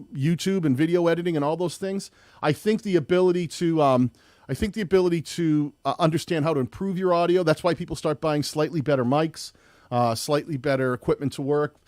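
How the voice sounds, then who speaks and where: Loud-voiced male host, a touch high, dry close sound, chatty with many restarts. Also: no room sound. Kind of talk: live-streamed tutorial chat.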